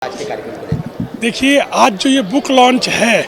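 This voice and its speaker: Over noticeable background noise, a man speaks with an extremely high pitch. His intonation is lively. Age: 60s. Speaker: author and school founder. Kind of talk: interview. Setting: book launch event.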